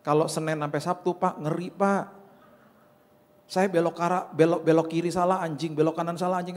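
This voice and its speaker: A man's voice: high voice, darkish tone, in a large hall, lightly acted. A man voicing a distressed male chauffeur who pleads and complains about his harsh employer.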